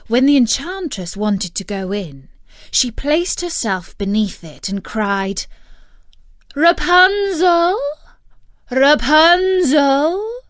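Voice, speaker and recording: Female storyteller: unhurried fairy-tale narration, very animated intonation, dry close sound. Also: medium pitch, dry recording.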